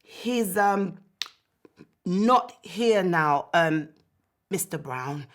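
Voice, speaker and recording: A woman's voice: lowish voice, expressive, drawn-out words. A woman acts out a timid little girl from a storybook. She is innocent and obedient, with a hesitant, childlike way of speaking. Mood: nervous.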